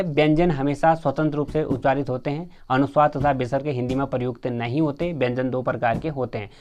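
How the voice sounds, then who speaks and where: A man's voice: medium pitch, darkish tone, no echo. A man teaching a grammar lesson in quiz form. He reads each question aloud and then explains the answer, with frequent fillers, calling his viewers friends.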